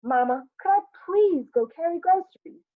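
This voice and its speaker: A woman's voice: very high voice, animated, normal speed, voice pushed up. A sulky young schoolboy in a stage play, acted out by a woman. He is stubborn, pleading and grumbling. The sound is narrow, like a phone line.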